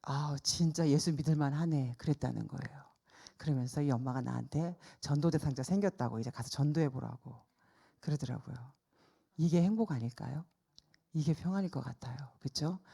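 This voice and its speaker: A middle-aged woman evangelist preaching a sermon through a personal story, told in a lively way with the voices of the people in it acted out. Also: a bass voice, brisk, gravelly, slightly rough. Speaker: evangelist preaching at a church service.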